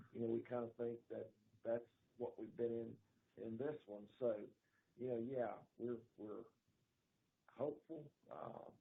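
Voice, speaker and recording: A middle-aged man, a company executive answering analysts on a conference call in a folksy, hedging, halting way. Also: medium pitch. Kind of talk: unscripted earnings call answer. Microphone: telephone conference call. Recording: narrow phone line with clear noise.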